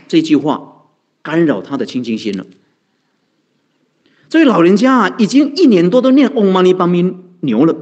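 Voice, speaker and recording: A man, a Buddhist monk, telling a story in a dharma talk, animated and chuckling, chanting mantras slowly. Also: sits high, slightly rough. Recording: dull lo-fi recording.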